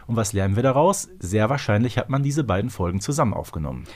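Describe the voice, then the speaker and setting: A man's voice: fairly low pitch, expressive, fast. A man co-hosting a casual podcast discussion, explaining things in detail in a conversational way. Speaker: podcast co-host.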